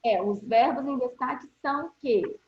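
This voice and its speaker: A woman teacher with a Brazilian Portuguese accent, explaining grammar to schoolchildren in an online class, speaking slowly and deliberately and often checking whether they follow. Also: sits high, noisy background. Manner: slow, deliberate explaining with frequent check-in questions. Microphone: video call. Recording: roomy, slightly dull video-call audio.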